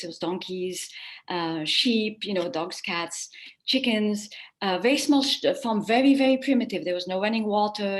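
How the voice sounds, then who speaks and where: A woman guest recounting her own story in a loose, rambling way. She restarts her sentences and laughs lightly now and then. Her voice sits at a middle pitch. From born in America, raised in Spain and France. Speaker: guest, animal communicator. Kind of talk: conversational interview storytelling.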